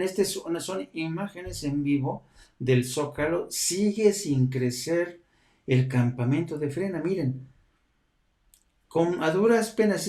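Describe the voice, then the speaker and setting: A man's voice: a little high, mellow, roomy sound. A man hosting a live show, talking casually and rambling with many fillers. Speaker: host.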